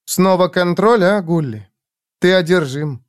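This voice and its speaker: A man voicing a fierce, sharp-tongued young woman in a storybook reading, mocking and commanding. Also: measured pace, clear, resonant tone. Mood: reproachful. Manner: mocking, commanding, shrill when angry.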